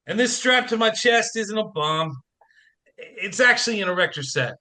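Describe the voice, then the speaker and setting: A man's voice: high voice, animated, normal speed, bright, forceful tone, full character voice. An actor playing a volatile, self-pitying jilted man in a comic radio play, agitated and stammering. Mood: sheepish. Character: volatile, desperate jilted man, ex-chorus performer turned hostage-taker.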